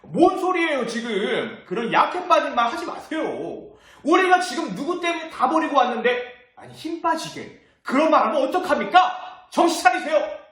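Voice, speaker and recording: A man acting out a furious male disciple, voice shooting high and sharp as he scolds his teacher in heated protest. The sound rings with heavy room echo. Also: very animated, moderate pace, hardly any pauses, exaggerated voice. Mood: angry. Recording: echoey room.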